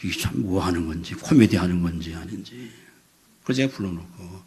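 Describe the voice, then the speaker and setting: A man in his fifties, a pastor preaching a sermon, telling a story with voiced quotes and building to loud, emphatic peaks. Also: sits low, brisk, breathy edge. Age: 50s. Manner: storytelling with animated voiced quotes, rising to shouts.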